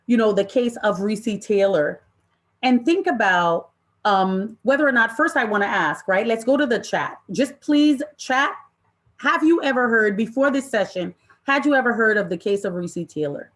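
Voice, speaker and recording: A woman presenting an interactive online training session in an impassioned, deliberate way, with emphatic repetition and rhetorical questions. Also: a little high, lively intonation, fairly bright tone. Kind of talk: impassioned interactive workshop talk to an online audience.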